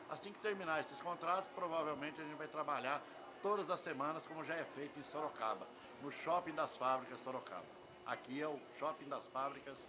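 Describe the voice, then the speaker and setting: An older man with a Brazilian accent, giving an emphatic interview as a fair organizer, driving points home with repeated phrases. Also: medium pitch. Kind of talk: on-camera news interview. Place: semi-open covered event hall. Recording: clear ambient noise of an open venue.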